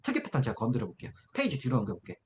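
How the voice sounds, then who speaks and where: A man's voice: medium pitch, wildly swooping pitch, racing, a little hiss or hum. A man teaching an exam-prep essay class, walking students through a graph and checking in with them constantly to see that they follow. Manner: coaxing, keeps checking in with students. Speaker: essay-writing instructor.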